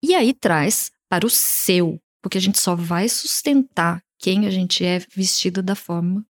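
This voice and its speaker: A Brazilian woman with a Brazilian Portuguese accent, an image consultant answering interview questions in an animated way, often voicing what her clients say. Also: fairly low pitch, unhurried. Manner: animated, talks in quoted client voices.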